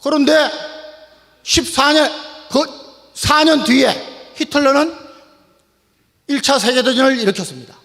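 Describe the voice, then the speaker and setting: An older man giving a rousing, booming political speech to an audience, emphatic and drawing out his phrases. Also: measured pace, vocal fry, pauses often, fairly bright tone. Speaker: public speaker, retired general. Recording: long hall reverb.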